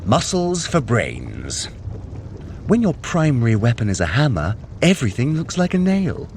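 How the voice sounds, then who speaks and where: An actor playing a cunning, sardonic trickster god in an audio adventure, with a wry, condescending, theatrical manner. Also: male voice, medium pitch, wildly swooping pitch, unhurried, darkish tone, a little hiss or hum. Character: Loki, cunning, sardonic male trickster god, brother of Thor. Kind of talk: scripted audio adventure acting.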